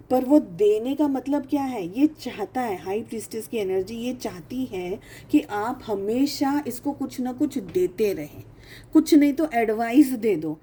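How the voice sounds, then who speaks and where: This tarot reader's voice sits on the high side, mellow with a breathy edge. Her casual reading is emphatic, with phrases repeated for stress and English expressions mixed in.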